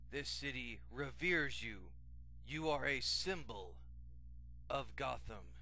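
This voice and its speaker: A man speaks in a put-on character voice at a fairly slow pace, with long, frequent pauses and clear background noise behind him. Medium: role play. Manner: menacing, slow.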